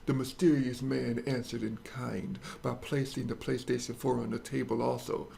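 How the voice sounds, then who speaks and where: A male host narrates a mock-dramatic comic story, crude and sarcastic, milking every beat. His mid-pitched voice has a gravelly rasp, with faint hiss behind it. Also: little pitch movement, moderate pace, warm tone.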